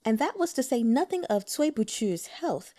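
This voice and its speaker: A woman narrating a translated novel as an audiobook in a measured, expressive storytelling manner. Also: a little high.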